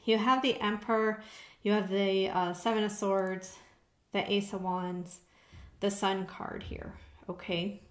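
A woman's voice: mid-range voice, flat delivery, a little slow. A woman giving a tarot card reading to her viewers in a casual way, often stopping to check in with "okay?". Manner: conversational, frequent "okay?" check-ins. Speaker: tarot reader. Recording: echoey room.

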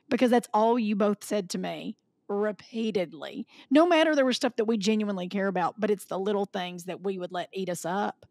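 A woman's voice: medium pitch, no room sound. Gushing woman, dry close sound. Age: 40s. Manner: gushing, animated, laughs often, drawls "y'all". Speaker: podcast co-host. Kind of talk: casual chat. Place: home room on a video call. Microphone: video call.

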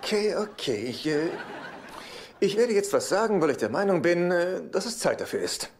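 A man's voice: high voice, very animated, normal speed. An actor playing a hapless, exasperated middle-aged man with a whiny, sarcastic manner in a German-dubbed sitcom, on a noisy soundtrack. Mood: sarcastic, indignant.

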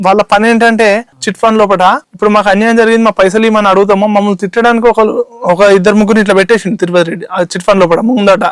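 A man's voice: high voice, steady tone, rapid-fire, clean tone, no echo. A man with a Telangana Telugu accent, giving an urgent interview about his grievance, recounting dialogue and addressing the interviewer as sir. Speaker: chit fund victim interviewee. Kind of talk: interview testimony.

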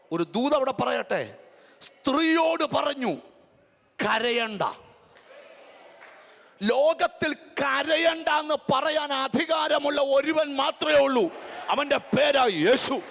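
A middle-aged woman preacher with a very high, gravelly voice, swinging from storytelling into sudden shouted cries. Each line rings out with a long echo in a big church hall. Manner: dramatic storytelling, bursts into shouts, peppered with amens and hallelujahs. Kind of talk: fiery revival sermon.

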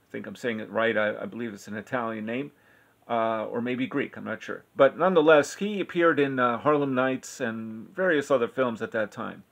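A man giving a casual spoken film review, rambling and halting, often correcting himself mid-sentence. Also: medium pitch, gravelly. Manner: rambling, halting, with frequent self-corrections and filler.

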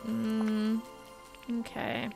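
Woman streamer in her twenties, bubbly and chatty, unhurried delivery. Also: on the high side, completely flat delivery, vocal fry, music in the background, low-quality recording. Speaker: game streamer. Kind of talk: casual gameplay commentary.

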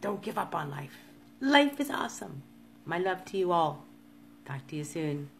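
At normal speed, a woman in her fifties with a low voice delivers a casual monologue to live-stream viewers. She earnestly repeats words of encouragement, and a little hiss or hum can be heard.

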